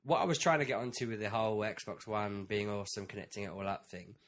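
A man's voice: lowish voice, fairly even intonation, fast talker. A man talking casually as a podcast co-host, acting out quotes as he tells stories. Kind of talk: casual chat.

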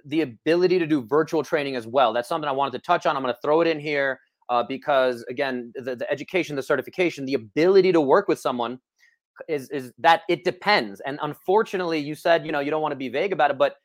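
A man's voice: medium pitch, fast talker. A man, a personal trainer, chatting energetically on an online call, with many restarts. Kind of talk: casual podcast chat.

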